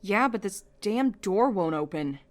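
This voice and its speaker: A woman's voice: medium pitch, lively intonation, unhurried, close to an everyday voice. A woman acting in an audio drama podcast as a wry, sceptical, tough and loyal companion, with a dry, blunt delivery. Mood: alarmed. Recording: clear background noise, ambient sound bed.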